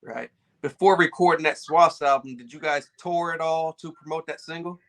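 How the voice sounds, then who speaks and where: Bright-voiced male interviewer. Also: fairly high pitch, moderate pace. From Indiana. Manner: brief, to-the-point questions. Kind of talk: interview questions.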